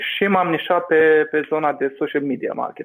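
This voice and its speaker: At a moderate pace, a man speaks in a fairly high pitch with fairly even intonation. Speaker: marketing executive. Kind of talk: interview. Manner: hesitant, many fillers and repetitions.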